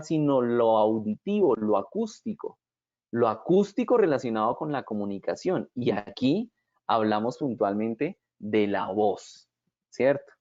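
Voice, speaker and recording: A man's voice: mid-range voice, warm tone. A man giving a didactic lecture as a communication trainer, often checking in with his audience through rhetorical questions. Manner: explanatory, checks in with frequent rhetorical "¿sí?" and "¿cierto?". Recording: dull, dry lo-fi recording.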